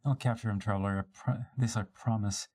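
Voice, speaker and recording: A man with a fairly low, darkish voice reads video game dialogue on a live stream, brisk and with fairly even intonation. He acts the lines theatrically in different character voices, occasionally stumbling and going back over them, with music playing underneath.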